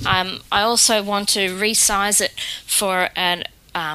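In an Australian accent, the voice stays monotone and flat in its intonation. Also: woman. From Australia (Melbourne). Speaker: caller, hobby podcaster. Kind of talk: recorded voicemail question.

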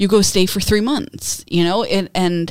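At a fairly slow pace, a woman with an unremarkable speaking voice speaks at medium pitch with ordinary pitch variation. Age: 40s. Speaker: podcast co-host. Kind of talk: casual chat.

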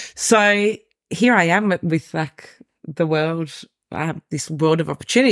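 A woman with a normal speaking voice and a fairly low pitch talks at a moderate pace with ordinary pitch variation, heard dry and close with no echo in a very clean recording with a silent background. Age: 30s. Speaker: style coach. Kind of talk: casual chat.

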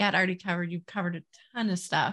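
The voice is bright and sharp in tone. It belongs to a woman with an American accent. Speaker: podcast host. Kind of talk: interview.

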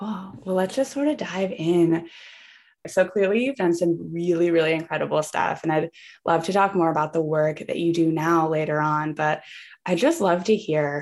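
This woman has a plain, everyday voice, pitched fairly low, with ordinary pitch variation. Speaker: podcast host. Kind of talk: casual chat.

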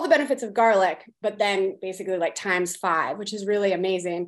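A woman with a Californian accent over a quiet background. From Southern California. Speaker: scientist and food business founder. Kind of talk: casual interview.

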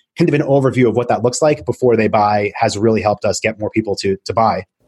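A man with an American accent speaks at a very fast pace, somewhat breathy, with ordinary pitch variation. The sound is dry and close with no echo. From Long Island, New York. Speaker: online business coach. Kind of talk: interview.

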